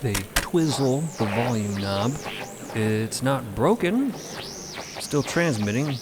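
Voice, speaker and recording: A man's voice: medium pitch, expressive, takes it slowly. A man narrating a scripted audio drama in a dramatic storytelling style. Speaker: podcast narrator. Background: loud music.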